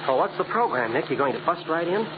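Brash high-pitched wisecracking sidekick. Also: male voice, big pitch swings, fast talker, narrow, tinny audio. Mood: eager. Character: brash, wisecracking male sidekick, slangy and excitable. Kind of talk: 1940s radio acting. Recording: very noisy, thin 1940s radio recording.

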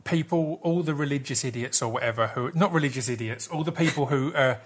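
Halting, opinionated man in casual conversation. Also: medium pitch. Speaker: interviewer.

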